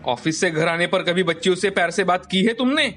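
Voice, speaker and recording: Woman doing a deep-voiced stern old grandfather. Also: fairly quick, fairly bright tone, faint music behind, natural voice. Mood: scolding. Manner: scolding, lecturing.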